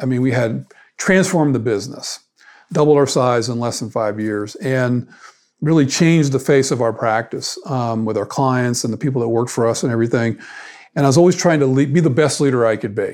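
A man with a plain, everyday voice and an American accent, medium pitch, ordinary pitch variation and a fairly quick pace, in a very clean recording with a silent background. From US South, South Florida. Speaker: business consultant and former accountant. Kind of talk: interview conversation. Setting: studio.

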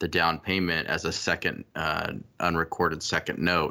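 A man with an American accent speaks at a very deep, low pitch in a bright, sharp tone. His intonation is fairly even, and the recording is very clean with a silent background. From Southern California. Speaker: real estate investor and author. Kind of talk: podcast interview.

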